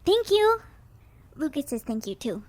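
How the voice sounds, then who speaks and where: A woman's voice: high voice, big pitch swings, unhurried, a little mellow, no echo. A woman playing a blunt, bubbly little girl out trick-or-treating in an audio drama. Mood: delighted.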